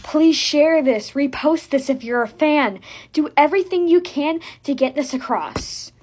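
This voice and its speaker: A woman with a high voice delivers an earnest appeal as a fan. She is emphatic and admonishing, hammering her points through repetition. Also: animated, unhurried, darkish tone. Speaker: fan making an appeal to other fans. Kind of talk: earnest public service plea to camera.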